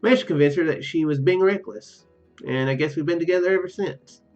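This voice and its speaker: A man's voice: a little high, brisk, darkish tone, highs cut off, faint music behind, natural voice. A man voicing a shy, kind young female mage from a visual novel, speaking hesitantly and earnestly.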